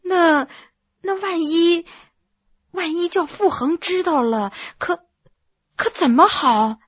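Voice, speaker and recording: A woman's voice: extremely high pitch, slow pace, fairly bright tone, dry recording, lo-fi sound, pitched above the performer's own voice, exaggerated voice. A woman playing a shy, stammering young court lady. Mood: anxious. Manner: hesitant, stammering, sighing.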